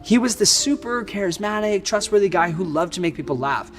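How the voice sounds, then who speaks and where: A man's voice: sits high, animated, brisk. A man narrating a scripted true crime story in a conversational way, with wry asides. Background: background music.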